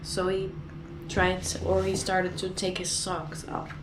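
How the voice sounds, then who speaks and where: A woman in her thirties with a Dutch accent, a mom chatting casually through a home vlog, her voice raspy from a sore throat and her talk full of fillers and restarts. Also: on the low side, completely flat delivery, takes it slowly, roomy sound, noisy background. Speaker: vlogger, mom. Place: apartment kitchen.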